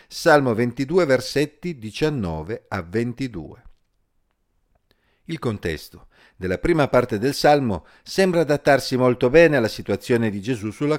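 A man calmly reading scripture and giving a measured Bible commentary as the host of an episode series. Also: mid-range voice. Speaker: Bible teacher.

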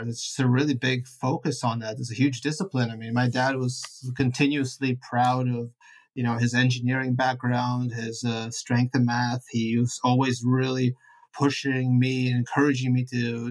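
A middle-aged man, born in Ukraine and raised in Canada, answering interview questions in a thoughtful, measured way. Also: mid-range voice, rough recording. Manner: thoughtful, measured, self-correcting. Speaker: guest entrepreneur.

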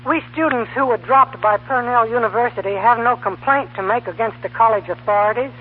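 An actor playing an earnest, boyish young college student in a 1930s radio comedy. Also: male voice, very high-pitched, fairly quick, husky. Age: young adult. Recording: scratchy, tinny 1930s radio broadcast.

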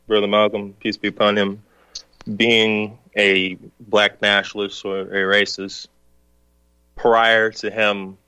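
Low-voiced man hosting call-in radio. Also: sharp tone, smooth, dry recording, low-quality recording. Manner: measured, reflective, hums along with the caller. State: feeling ill. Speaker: radio talk show host.

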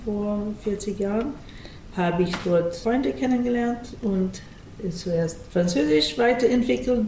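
A Russian-native woman from Canada, older, explaining patiently in a radio interview and often pausing to search for words. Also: medium pitch, warm tone, a little hiss or hum. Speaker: ballet school director. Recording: distant, roomy, faint ambience.

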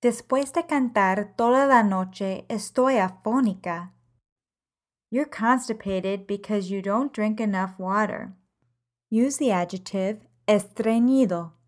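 Slow, clear and carefully enunciated, a woman reads example sentences in measured phrases for her language lesson podcast. Her voice sits in the mid-range.

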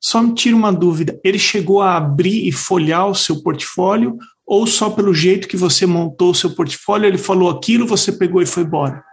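A man's voice: high-pitched, a little fast, vocal fry, hardly any pauses. A man interviewing a guest, reflecting on the story and asking probing questions. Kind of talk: conversational interview.

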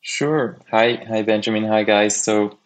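Low-voiced Swiss man, eager guest. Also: fairly even intonation, unhurried. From Switzerland. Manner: eager, repeats words while finding them. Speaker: startup incubator head, guest. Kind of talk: casual interview answers.

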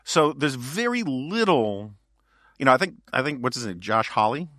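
A man's voice: medium pitch, lively intonation, moderate pace, pushed and bright, no echo, studio quality. A male podcast host in casual political chat, talking in a wry, joking, digressive way.

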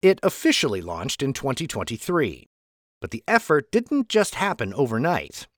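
A man's voice: medium pitch, huge pitch swings, normal speed, fairly bright tone, dry recording, studio quality. A man hosting a podcast, reading a history narration with chatty asides. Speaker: podcast host and author.

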